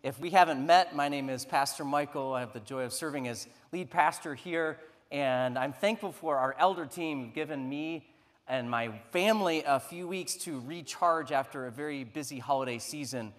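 A man's voice: fairly high pitch, moderate pace. A man in his thirties, a lead pastor, speaking in a conversational, earnest way on a church stage before leading a prayer. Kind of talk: church announcements and introduction, then prayer. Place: church stage, large sanctuary. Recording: reverberant church sanctuary.

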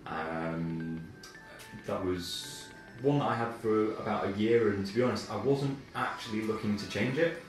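A man's voice: lowish voice, a little slow. A young man with an English accent chatting casually, a bit hesitantly, as an interviewee while playing a video game. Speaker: interviewee, car owner. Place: living room, indoors. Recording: echoey room, distant mic, faint music.

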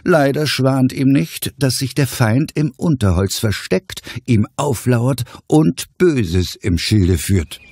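A man narrating a scripted audio play as a measured, wry, theatrical storyteller. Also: mid-range voice, animated, darkish tone, breathy edge, no echo, clean studio sound, full character voice. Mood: measured, dramatic.

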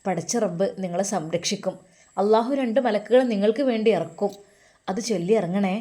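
A woman's voice: mid-range voice, fairly quick, dark tone, natural voice. A woman voicing a loving older Muslim mother who fusses over her children and comforts them. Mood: comforting. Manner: doting, coaxing, blessing her children.

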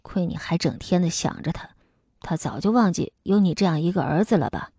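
A woman voicing a spiteful, sick old father in an audiobook, who sneers and gloats in a low, half-whispered voice. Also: brisk, warm tone, husky, no room sound. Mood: gloating scorn. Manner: mocking and gloating. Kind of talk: audiobook character voice.

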